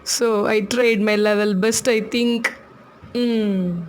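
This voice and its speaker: A woman's voice: medium pitch, fairly even intonation, slow pace, a little hiss or hum. A woman with a Tamil accent, a native Tamil speaker, giving a casual hands-on jewelry tutorial, chatty and laughing often as she repeats her instructions. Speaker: craft tutorial host.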